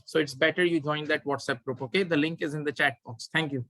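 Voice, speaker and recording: A man's voice: fairly high pitch, fairly even intonation, fast talker, sharp tone, dry recording. A man teaching a live online exam revision class as an accounting tutor, instructing step by step and repeating key phrases for emphasis.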